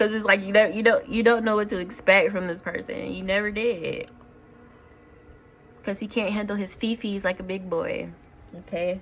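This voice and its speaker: A woman's monotone, flat delivery with big swings in loudness and long, frequent pauses, over noticeable background noise. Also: medium pitch for a woman, moderate pace. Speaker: tarot card reader. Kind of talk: tarot reading to camera. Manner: stutters and repeats words during readings; casual, informal.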